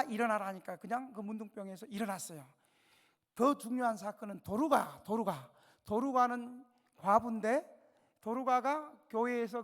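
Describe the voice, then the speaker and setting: A male pastor with a very high, gravelly voice delivers a revival sermon in a church sanctuary, with long reverb trailing his words. He tells stories dramatically, sinking to a hush before rising loud again, and puts questions directly to the congregation.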